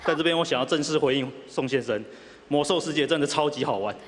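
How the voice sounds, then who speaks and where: A man's voice: on the high side, quick pace. A man with a Taiwanese Mandarin accent giving a mock-solemn acceptance speech as an award winner. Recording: noisy hall with crowd.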